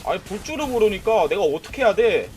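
A young man giving casual, excitable commentary over his own mobile game, trash-talking and narrating his plays. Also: sits high, fast, faint music behind. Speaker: gaming YouTuber.

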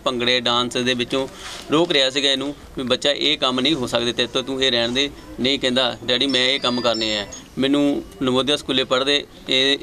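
Telling the family story of his dancer son, this middle-aged father from Punjab, India, repeats himself and frequently quotes both his own words and his son's. He speaks at medium pitch with a sharp tone over slight background noise.

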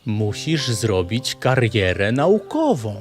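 A man's voice: medium pitch, very animated, slow pace, faint music behind. A man voicing an enthusiastic, learned professor in a children's audio play, lecturing with great emphasis. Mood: decisive. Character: male professor animal, enthusiastic learned neighbour, pompous.

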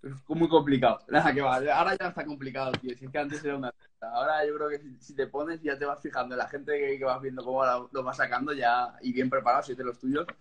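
A young man in his twenties from Spain hosting a live video call chat, excitable and repeating himself as he talks. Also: mid-range voice, slight background noise, rough recording. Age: 20s. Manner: quick, excitable, repeats words. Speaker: channel host. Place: small room indoors. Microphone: webcam on a video call.

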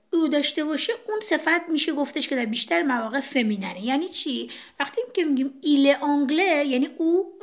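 Brief: woman French teacher, slightly high voice, walks through examples on a board. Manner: explains step by step, pointing to a board. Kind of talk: casual classroom explanation.

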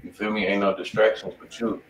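Echoey low-voiced American man, casual and slangy. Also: flat delivery, brisk. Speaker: music review show host. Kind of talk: casual livestream chat, slangy. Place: indoor room on a livestream. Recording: echoey, distant mic, faint noise.

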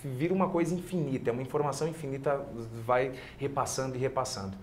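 A man's voice: medium pitch, quick pace, darkish tone, a little hiss or hum. A young man from Bahia hosting a casual live web TV interview, chatty and agreeable, in a TV studio on a lapel mic. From Bahia, Brazil. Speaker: talk show host. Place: TV studio with red armchairs.

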